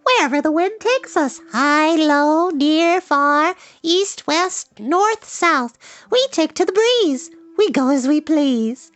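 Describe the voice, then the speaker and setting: Little storybook spider girl, very high squeak, chirpy, cheerful, earnest, roomy echo. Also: expressive, slow, fairly bright tone, full character voice. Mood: excited, carefree. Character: tiny cheerful young female spider, newly hatched. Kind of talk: children's storybook character voice.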